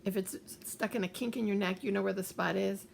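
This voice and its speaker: Older woman with a gravelly voice. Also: medium pitch, fairly even intonation, fairly quick, slight background noise. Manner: gentle, repeats reassuring phrases. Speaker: author giving coping advice. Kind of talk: calm advice talk to camera.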